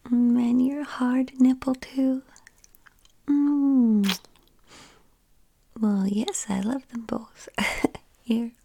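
A woman whispering softly and tenderly into a close mic in an intimate ASMR roleplay. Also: a little high, fairly even intonation, very slow, vocal fry, pauses often. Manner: tender, soothing.

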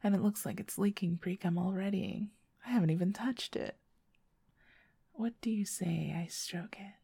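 A young woman in an intimate audio roleplay, talking softly and coaxingly and often whispering close to the microphone. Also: medium pitch, fairly even intonation, normal speed, creaky, breathy edge, no echo.

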